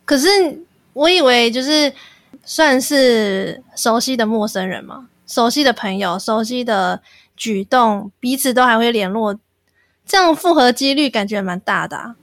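A woman hosts a call-in podcast, her voice a touch higher than most. She asks short follow-up questions and reacts with exclamations. The recording is dry and close. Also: measured pace, dry recording. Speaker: podcast host. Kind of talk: call-in radio-style chat.

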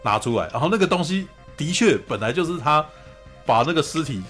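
A man hosting a casual anime review chat, retelling scenes in an animated way, often laughing and checking in with "you know?". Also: on the high side, fairly quick, faint music behind. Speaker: host.

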